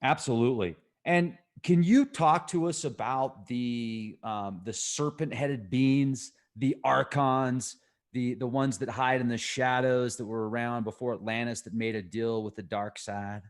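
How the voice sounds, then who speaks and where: A man's voice: medium pitch, steady tone, measured pace. A man with an ordinary mid-range voice hosts a livestreamed interview. He talks casually and conversationally as he asks his guest questions. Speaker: livestream host.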